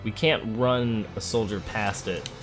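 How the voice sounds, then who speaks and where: Male let's play host, lowish voice, conversational and thinking aloud, light music behind. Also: steady tone, a little slow. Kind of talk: casual game commentary. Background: game music.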